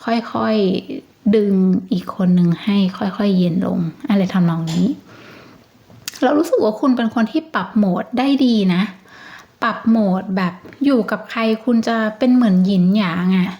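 A woman giving a casual tarot reading, talking in a gentle, chatty and reassuring way. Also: a little high, muffled recording. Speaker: tarot reader.

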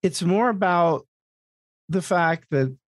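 A man's voice: high voice, expressive, slow, no echo. Casual man podcaster, dry close sound. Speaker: podcast co-host. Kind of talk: casual comedic chat.

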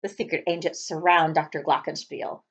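A woman, reading a storybook aloud to children with expressive, dramatic delivery. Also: deep voice, moderate pace, creaky, breathy edge. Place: living room, on a couch. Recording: slightly dull webcam audio.

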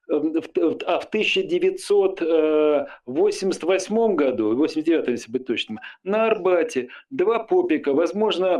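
A combative man with a somewhat high voice cuts in and talks over the other speaker. He trips over fillers and restarts, then pushes on insistently. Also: a little mellow. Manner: combative, interrupts, hesitant fillers. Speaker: passer-by in debate. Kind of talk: heated street argument.

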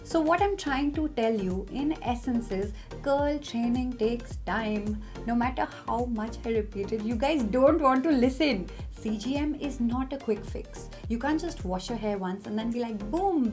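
Emphatic young woman, slightly high voice. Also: a little slow, a little mellow, soft background music. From India. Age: young adult. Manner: emphatic, direct, chatty. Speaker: beauty vlogger giving hair care tips. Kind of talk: casual instructional talk to camera.

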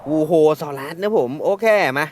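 A man giving excitable, laughter-filled commentary while playing a mobile game, taunting his opponents as he goes. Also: normal speed, a little hiss or hum. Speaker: gaming channel host.

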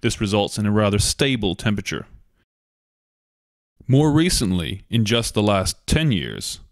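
A man reading a scripted documentary narration in a measured, argumentative way, posing rhetorical questions. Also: medium pitch, no room sound, studio quality.

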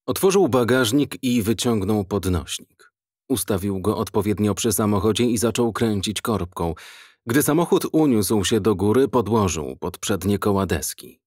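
A man reading an audiobook in measured, even scripted narration. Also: on the low side, breathy edge, dry recording, studio quality.

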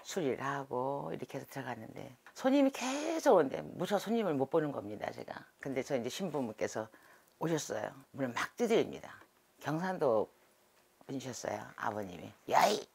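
A middle-aged woman, a shaman, telling stories from her past in an animated, dramatic way during an interview. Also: very deep voice, fairly quick, vocal fry, husky. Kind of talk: storytelling interview.

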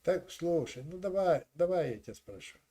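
A man's voice: fairly high pitch, expressive, moderate pace, crowd noise. A man in his sixties with a Ukrainian accent, taunting a stranger in a video-chat argument, stopping and restarting as he keeps telling him to listen.

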